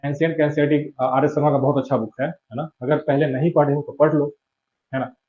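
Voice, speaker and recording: A man's voice: fairly high pitch, steady tone, a little fast, narrow, tinny audio, faint music behind. A male teacher gives exam advice in a conversational coaching-class lecture and keeps checking in his students.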